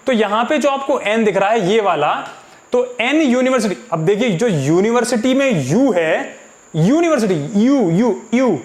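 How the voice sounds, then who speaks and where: A man teaching English grammar for exam prep, reading example sentences out slowly, word by word. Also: sits high. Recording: echoey room.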